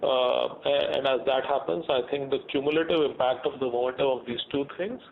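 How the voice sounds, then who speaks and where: A man's voice: mid-range voice, steady tone, brisk, gravelly. A man with an Indian accent explaining business matters as a company executive on an earnings call. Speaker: company executive answering investor questions. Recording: muffled phone-like conference line with faint noise.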